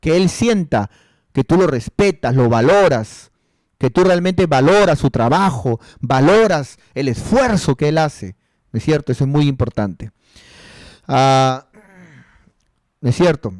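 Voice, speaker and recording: Man, pastor, counseling sermon, fairly high pitch, repeats rhetorical questions, dry close sound. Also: expressive, a little slow, a little mellow, no echo. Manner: rhetorical questions and repetition, addressing listeners as brother.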